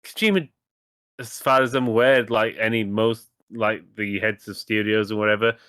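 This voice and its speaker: A man's voice: fairly low pitch, moderate pace, pushed and bright, clear, resonant tone, no room sound, studio quality. A man co-hosting a gaming podcast, talking casually in rambling, self-correcting sentences and swearing now and then. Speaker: podcast co-host.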